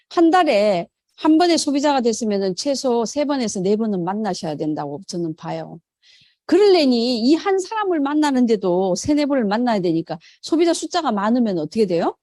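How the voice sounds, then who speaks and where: A woman's voice: high-pitched, mellow, no echo, clean studio sound. A middle-aged woman leading a motivational sales seminar, who poses questions to the audience, answers them herself, and acts out quoted phone calls. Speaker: network marketing sales leader.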